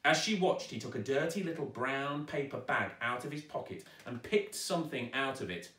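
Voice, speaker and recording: A man narrating a children's story aloud with dramatic, expressive delivery, recorded in a roomy space at some distance. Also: medium pitch, normal speed. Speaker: storyteller, actor reading aloud. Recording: roomy echo, distant microphone.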